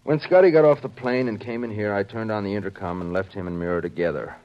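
An actor playing a probing, authoritative security chief, speaking briskly and seriously in 1950s radio drama style. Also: male voice, lowish voice, close to an everyday voice. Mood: grave, puzzled. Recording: muffled 1950s radio recording.

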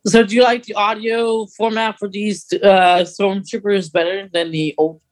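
High-voiced man in casual podcast banter. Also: flat delivery, unhurried. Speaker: podcast co-host. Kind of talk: casual chat.

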